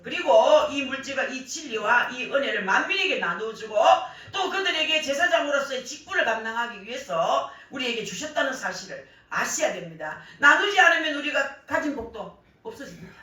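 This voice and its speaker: Older female preacher, Gyeongsang Korean accent, hoarse but bright and forceful, heard in a very echoey church hall. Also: sits high, distant mic. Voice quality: worn, hoarse voice damaged by years of crying out in prayer. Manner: animated storytelling, acting out quoted remarks. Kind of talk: sermon with personal anecdotes. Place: church service, roomy indoor hall.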